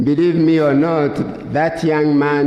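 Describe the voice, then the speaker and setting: A man talks at a fairly slow pace with a fairly high pitch. Noticeable background noise and audible room echo surround his voice. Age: 70s. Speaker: politician. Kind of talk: political rally speech.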